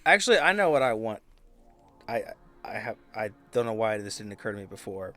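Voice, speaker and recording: A man playing a tabletop role-playing game, casually and haltingly describing what his character does. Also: fairly low pitch, big pitch swings, sharp tone, faint music behind. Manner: loose, halting, peppered with "like" and "kinda".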